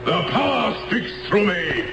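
An actor playing a commanding middle-aged zealot preacher, declaiming in a radio drama. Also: male voice, high-pitched, very animated, gravelly, echoey room, noisy background, exaggerated voice. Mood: fiery, stern. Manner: declamatory, slow, thundering. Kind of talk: 1970s radio drama acting, oratory.

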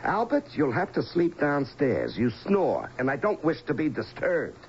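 A man's voice: fairly high pitch, wildly swooping pitch, a little slow. A man acting in a radio drama as an agitated, insistent, bitter out-of-work coal miner and husband who repeats himself. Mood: irritable, curt. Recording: muffled, faintly hissy old radio recording.

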